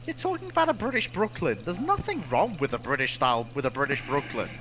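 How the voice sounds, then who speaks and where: A man's voice: fairly high pitch, big pitch swings, quick pace, noisy background. A man co-hosting a casual question-and-answer chat in an informal, conversational style. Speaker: co-host helping track audience questions.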